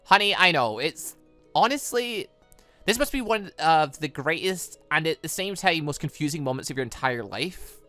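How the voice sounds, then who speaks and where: A game streamer voicing a calm, teasing ghostly mother from a visual novel, with a playful, reassuring manner. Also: mid-range voice, moderate pace, faint music behind, lightly acted. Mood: soothing.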